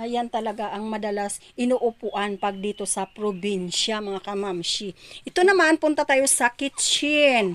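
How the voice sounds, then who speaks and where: Fairly slow pace from a woman with an ordinary speaking voice and fairly high pitch. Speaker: vlogger. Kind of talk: casual vlog narration to camera. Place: home room. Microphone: phone near.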